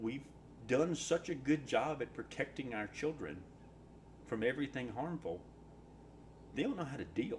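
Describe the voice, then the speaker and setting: At a moderate pace with long, frequent pauses, a man speaks at a medium pitch with vocal fry. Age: 40s. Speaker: vlogger. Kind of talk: opinion monologue. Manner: halting.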